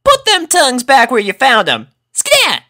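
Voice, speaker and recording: A man voicing an excitable young country filly in a pony story, playful and eager, with folksy talk. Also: very high voice, measured pace, pitched above the performer's own voice, heavily acted. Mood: playfully protesting.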